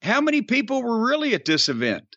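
A man's voice: extremely high pitch, wildly swooping pitch, fast talker, bright, forceful tone, dry recording. Man, middle-aged, drawling storyteller, slightly muffled recording. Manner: drawling, storytelling, quizzing his co-host. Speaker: podcast host. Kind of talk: casual wrestling podcast chat.

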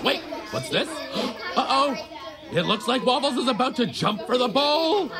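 Gerbil pal: woman doing a high, excitable commentator voice, timid. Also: unhurried, over a noisy crowd, heavy background noise, full character voice. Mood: commentating. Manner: sportscaster-style commentary, nervous. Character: timid, easily bribed male pet gerbil. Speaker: play-by-play commentator.

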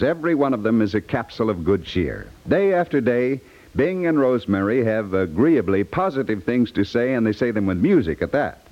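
An American man reading scripted copy as a 1950s radio announcer. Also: on the low side. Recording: dull 1950s radio recording.

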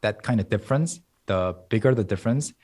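A Korean language teacher appears as a guest in a casual interview, speaking English as a second language after Korean. Thoughtful and given to light laughs, he explains language ideas with examples and analogies in a fairly low, fairly quick voice that's a little mellow and slightly rough.

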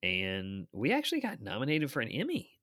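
A middle-aged man telling stories in a casual interview, animated and laughing often. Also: medium pitch, fairly quick. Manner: animated, laughs often, acts out quoted voices. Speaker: TV producer and guest.

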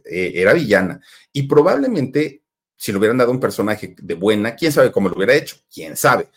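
A man with a Mexican accent hosting a channel, telling show-business stories in an animated, chatty way and repeating words for emphasis. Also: fairly low pitch. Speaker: channel host. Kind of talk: storytelling commentary.

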